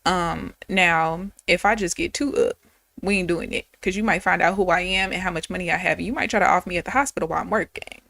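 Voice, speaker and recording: A woman's voice: lowish voice, quick pace, vocal fry, a bit bright, no room sound. Candid woman in her thirties, chatty trader. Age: 30s. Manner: candid, chatty, talks straight to viewers. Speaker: day trader streaming live. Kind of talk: casual live-stream chat.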